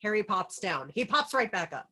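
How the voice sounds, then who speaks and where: A woman's voice: mid-range voice, sing-song, normal speed, pushed and bright, slightly rough. A woman reading the stage directions as narrator in a script table read.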